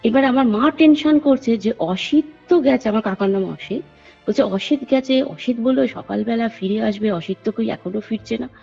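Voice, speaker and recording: A woman phones in to share a true ghost story that happened to her, speaking at a moderate pace in a slightly high, gravelly, warm voice with a breathy edge. She's earnest and rambling and frequently speaks to the host. The call sounds dull and lo-fi, with faint music.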